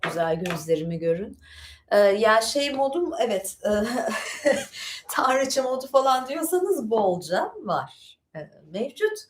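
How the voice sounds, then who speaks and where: A woman's voice: fairly high pitch, big pitch swings, unhurried, slight background noise. A woman hosting a casual livestream, chatting in a rambling way with lots of fillers and asides. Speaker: livestream host. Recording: echoey room.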